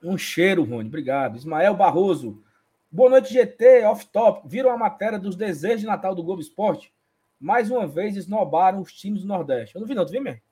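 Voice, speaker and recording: A husky, high-pitched man hosts a casual live fan show. He reads viewer comments aloud in a playful, chatty way, greeting each one. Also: animated, a little fast, mellow. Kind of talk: casual live-stream chat.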